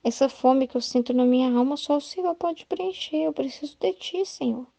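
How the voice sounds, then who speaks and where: A woman doing a pious soul pleading with her Lord, in a high, gravelly voice. The sound is close and dry, with no room around it. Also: moderate pace, mellow, no room sound, dull audio. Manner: fervent, pleading, heightened. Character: devout woman pleading with Jesus.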